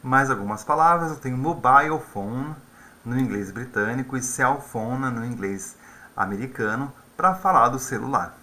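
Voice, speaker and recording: A man's voice: mid-range voice, moderate pace, bright, forceful tone. A man teaching an English lesson in a conversational way, often tagging his sentences with questions. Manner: conversational, with frequent tag questions. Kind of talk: video lesson explaining vocabulary.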